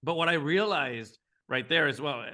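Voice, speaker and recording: Bright-voiced man in his forties. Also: a little high, moderate pace. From Venezuela. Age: 40s. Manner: animated, frequent restarts, acts out his own thoughts. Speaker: guest entrepreneur. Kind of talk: casual interview storytelling.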